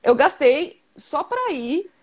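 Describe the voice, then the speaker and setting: A woman's voice: high-pitched, sing-song, slow. Chatty Brazilian woman on a video call. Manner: chatty, emphatic, many fillers. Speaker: interview guest. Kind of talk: casual video-call interview.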